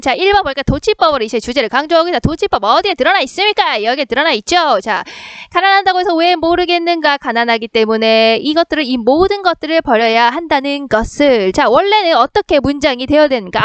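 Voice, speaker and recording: Brisk, high-voiced woman teacher. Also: no room sound, lo-fi sound. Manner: brisk, question-and-answer teaching rhythm, frequent "자" prompts. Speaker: middle school Korean literature teacher. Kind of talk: recorded lesson explaining a worksheet.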